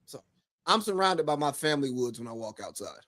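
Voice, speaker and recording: A man's voice: mid-range voice, sing-song, brisk, a bit bright. A man co-hosting a casual sports podcast, teasing and blunt, swearing casually. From rural US South. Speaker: podcast co-host.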